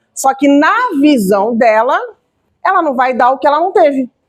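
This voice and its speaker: Her tone is animated and her intonation lively. This woman speaks at a high pitch. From interior of São Paulo state, Brazil. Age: 40s. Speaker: motivational speaker. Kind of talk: talk to a live audience.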